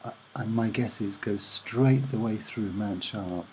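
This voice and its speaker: A soft-spoken man giving a hesitant, musing, rambling commentary on images as an amateur presenter. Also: on the low side, measured pace, slight background noise, rough recording.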